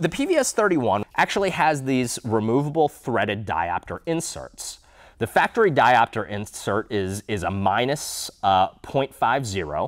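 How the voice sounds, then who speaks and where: A man at a moderate pace with hardly any pauses and very wide pitch swings, against a quiet background. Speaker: product presenter. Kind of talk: casual product explainer to camera. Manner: conversational, with frequent fillers. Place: studio. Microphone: lapel.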